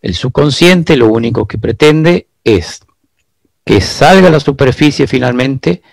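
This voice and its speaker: A man, a guest expert giving long, measured explanations in an interview, full of rhetorical asides. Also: medium pitch, creaky, no room sound. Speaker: guest expert on biological decoding.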